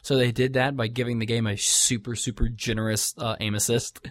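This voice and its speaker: A man's voice: medium pitch, flat delivery, a little fast. A man co-hosting a casual chat about games, rambling with many fillers and restarts.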